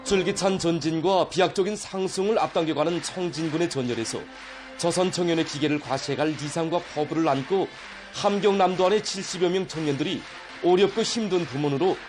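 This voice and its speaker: A man with a North Korean accent reading scripted news narration in a solemn, declamatory manner. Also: on the high side. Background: faint music.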